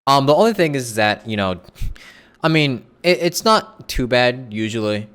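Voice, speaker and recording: A man's voice: medium pitch, expressive, moderate pace, a bit bright, smooth. A man chatting casually as a live streamer, rambling and thinking aloud as he corrects himself. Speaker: live streamer and content creator. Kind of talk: casual livestream chat with viewers. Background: background music.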